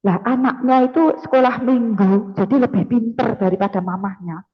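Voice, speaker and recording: A woman tells her testimony to a church crowd in a lively, storytelling way. She mimics sounds and keeps addressing her listeners directly. The recording is muffled and lo-fi, with long echo rolling around a large hall. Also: fairly high pitch, moderate pace, husky. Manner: animated storytelling with sound effects, calls the audience "brothers and sisters". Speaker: testimony giver. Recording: echoey hall, dull lo-fi sound.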